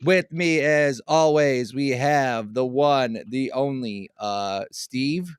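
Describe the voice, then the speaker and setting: A man's voice: medium pitch, slow, smooth, no room sound, clean studio sound. A man co-hosting a comedic podcast chat with a robotic, metallic-sounding voice and a hammy, showman-style delivery. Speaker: co-host.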